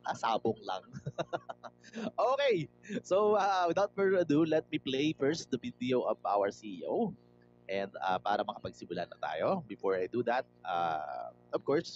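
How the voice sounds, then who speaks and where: A man's voice: medium pitch, a little hiss or hum. A Filipino man hosting a livestream, casually greeting viewers by name, reading comments aloud and mixing Tagalog with English. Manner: mixes Tagalog and English freely. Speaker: livestream host. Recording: dull lo-fi livestream audio with faint music.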